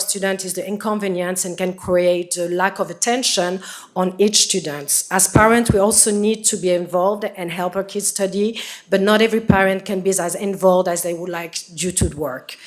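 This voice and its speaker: A woman with a French accent, medium pitch and fairly even intonation, at a fairly quick pace amid noticeable background noise. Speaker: parent speaking at public comment. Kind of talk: public comment at school board meeting. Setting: school board meeting room. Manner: hesitant, with fillers.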